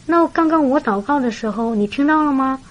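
A woman voicing a calm, patient middle-aged male pastor who prays in a measured way and asks gentle questions. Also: extremely high pitch, rough recording.

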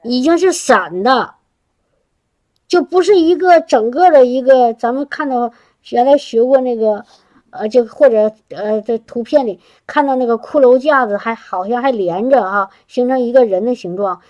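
A woman preaching a sermon in an animated, exclamatory way, often repeating words and laughing between phrases. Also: a little high, normal speed.

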